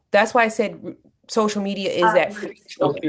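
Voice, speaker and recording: Her voice is fairly high, and she is a woman with an American accent. She speaks at a moderate pace. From US South, Mobile, Alabama. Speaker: real estate trainer. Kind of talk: training class.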